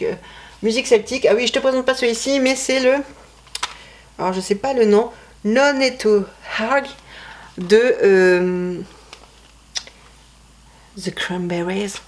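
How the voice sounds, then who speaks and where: A woman's voice: mid-range voice, unhurried, pauses often. A woman vlogger chatting casually about her CD collection, rambling and correcting herself with many fillers. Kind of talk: casual chat.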